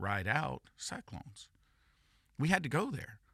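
Here a man speaks at a moderate pace. The sound is dry and close with no echo, on a very clean recording with a silent background. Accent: American. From North Carolina. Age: 50s. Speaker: pastor. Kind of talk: sermon. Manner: halting.

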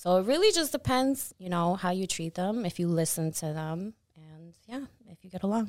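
A woman's normal speaking voice in an American accent, medium pitch, lively intonation, moderate pace. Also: big swings in loudness. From Queens, New York. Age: 30s. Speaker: personal trainer. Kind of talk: casual chat.

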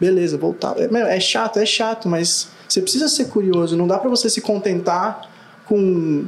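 A high-pitched man speaks at a moderate pace. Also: very even loudness. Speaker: English test tutor. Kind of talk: casual interview.

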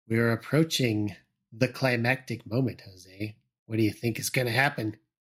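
With fairly even intonation, a natural reading voice comes through over a quiet background.

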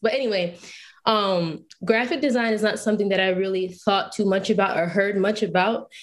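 A normal speaking voice with ordinary pitch variation. The pace is moderate. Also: woman. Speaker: UX UI design student and photographer. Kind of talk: casual chat.

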